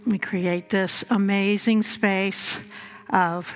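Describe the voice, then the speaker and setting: A woman pastor leading a guided prayer at a church service, speaking in measured phrases with long pauses between them. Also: medium pitch, fairly even intonation, smooth, rough recording. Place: church service before a congregation.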